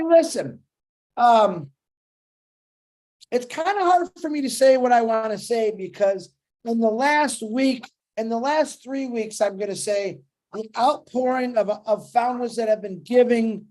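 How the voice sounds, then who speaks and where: A man's voice: very high voice, a little mellow. A man speaking from home on an online chat, giving a fervent, emphatic motivational talk. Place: home, dog barking outside.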